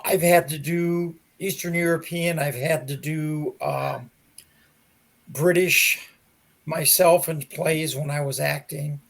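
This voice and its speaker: Theater director, male, mature. Unhurried, fry-heavy voice on the higher side, thoughtful interview delivery. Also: a bit bright. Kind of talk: conversational interview answers.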